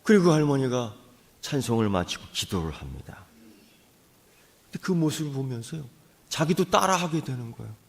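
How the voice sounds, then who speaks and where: A male pastor delivering a sermon as animated storytelling, dropping to a hush and rising again. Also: medium pitch, moderate pace, pauses often. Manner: animated storytelling, swings from hushed to loud.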